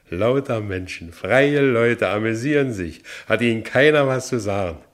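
An actor playing a brooding, restless working-class ex-convict with a Berlin accent in a radio play. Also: male voice, low-pitched, lightly acted. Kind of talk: radio play first-person narration.

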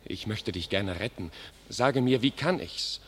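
An actor playing a defiant, proud English prince and warrior in a classic radio drama, declaiming with passion. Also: male voice, lowish voice, lively intonation, measured pace, a little hiss or hum. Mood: pitying, urgent. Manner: declamatory, impassioned. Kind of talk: classic German stage-style radio drama acting.

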